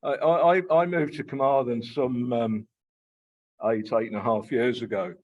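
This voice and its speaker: A man with a Black Country accent talks an audience through his lecture, stumbling over fillers and restarting his words. His voice is a bit husky and sits in the middle of the male range. The recording is dull and lo-fi. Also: mid-range voice, fairly even intonation, normal speed. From Black Country, England. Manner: hesitant, many fillers and repeated words. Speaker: guest lecturer. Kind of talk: informal talk to a local society.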